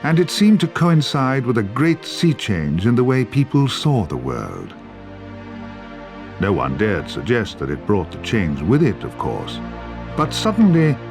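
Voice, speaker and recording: A reflective male narrator for a game cinematic. He speaks slowly and dramatically, with pitch that moves freely over a music bed. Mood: solemn. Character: reflective male narrator of a hopeful future history.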